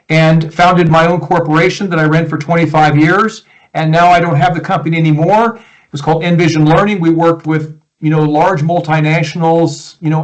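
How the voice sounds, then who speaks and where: A man in his sixties with an American Midwest accent, a guest coach answering interview questions in a relaxed, reflective way over a video call. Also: a little high, poor audio. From United States, Iowa. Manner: relaxed, reflective, with frequent restarts.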